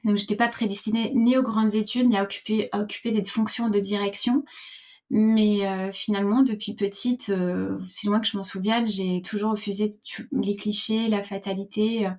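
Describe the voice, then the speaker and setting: A woman's voice: medium pitch, fairly even intonation, moderate pace, darkish tone. A middle-aged woman from Portugal answering interview questions thoughtfully, with many fillers and restarts. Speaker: podcast guest.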